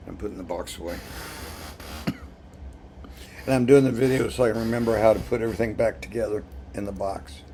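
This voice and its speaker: A man's voice: fairly low pitch, brisk, vocal fry, pauses often, mellow. A man chatting casually as a video blogger through an unboxing, with a wry manner and an irritated throat. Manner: wry, chuckling at own remarks. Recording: noticeable background noise.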